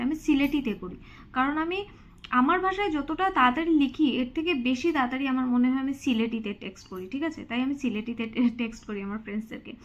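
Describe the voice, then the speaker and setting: A woman's voice: high voice, a bit bright, highs cut off, a little hiss or hum. A young woman from Silchar in India, speaking Bengali with a Sylheti tone, chatting casually to her viewers and often checking in with them. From Silchar, Assam, India. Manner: chatty, keeps asking "okay?". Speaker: vlogger. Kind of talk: casual chat to camera.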